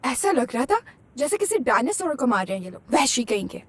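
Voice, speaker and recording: A woman's voice: high voice, very animated, a little fast. A woman dubbing a chatty young woman who animatedly tells her friends about a fight. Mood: gossipy. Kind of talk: dubbed TV drama acting.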